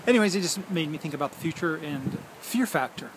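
A man in his forties talking casually and haltingly to a handheld phone, musing as he drifts between thoughts. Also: fairly high pitch, expressive, a little hiss or hum, poor audio. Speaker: video blogger. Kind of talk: casual rambling monologue to camera. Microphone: handheld smartphone at arm's length.

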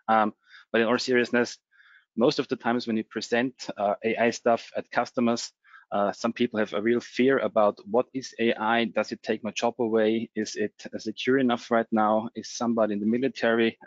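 A man giving a technical webinar presentation, relaxed and full of fillers. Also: lowish voice, no echo, lo-fi sound. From Austria. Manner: relaxed, many fillers and restarts.

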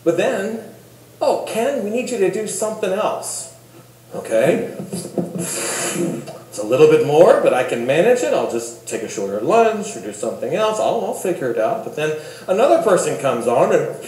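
A man in his forties giving a keynote speech in a hotel ballroom, animated and acting out the people in his stories. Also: on the high side, moderate pace, slightly rough. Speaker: keynote speaker. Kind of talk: live keynote speech with storytelling. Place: large hotel ballroom, indoors.

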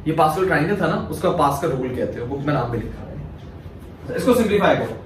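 A man's voice: a little high, lively intonation, fairly quick, a little hiss or hum. A male math teacher with a Pakistani Urdu accent giving a classroom lecture, explaining step by step and answering his own questions. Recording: very echoey room, voice from far off.

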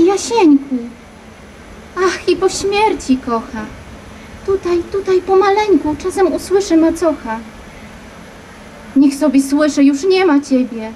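A woman's voice: sits high, dark tone, slight background noise, voice pushed up, low-quality recording. A woman reciting poetry and voicing a distraught young village girl who calls to her dead lover in a pleading, frightened way.

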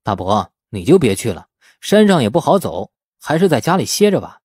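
A man voicing the calm, sensible younger hero of an audiobook, measured and persuasive. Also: mid-range voice, husky, dry recording, clean studio sound. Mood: reasoning.

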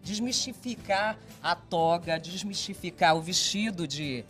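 A man's voice: high-pitched, measured pace, fairly bright tone. A man presenting and promoting his new food program, talking enthusiastically on live TV. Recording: TV studio with music behind.

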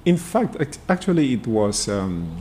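A man from Cameroon, a guest in an interview, speaking in a measured, halting way with frequent pauses. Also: medium pitch, sing-song, darkish tone, slight background noise. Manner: measured, halting, many "uh" fillers. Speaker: guest, environmental sociologist. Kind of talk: casual interview conversation.

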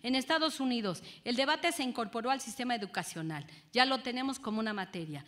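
A woman, a judge giving a lecture to an audience, lively and often asking them rhetorical questions. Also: on the high side, fast talker. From Mexico.

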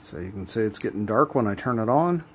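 A man hosting a do-it-yourself channel, explaining a repair step by step in a relaxed, casual way as he works at a bench. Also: on the low side, fast talker, a little hiss or hum. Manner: relaxed step-by-step explaining while working hands-on. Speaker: DIY channel host. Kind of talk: casual how-to demonstration.

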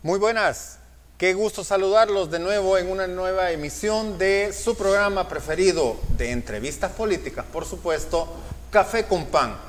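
A man's voice: high-pitched, moderate pace, long reverb tail. A middle-aged man hosting a political TV interview show, announcing the channel and schedule in a promotional, repetitive way. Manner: promotional, repeats schedule details. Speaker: TV interview host. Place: TV studio.

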